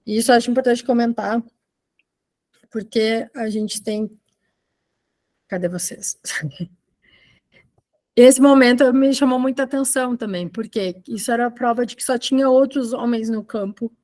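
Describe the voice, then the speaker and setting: A woman from Argentina living in Brazil, a photojournalist giving an informal online talk in a halting, conversational way with trailing asides. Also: on the high side, a little mellow. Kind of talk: informal online presentation of own work. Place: video call.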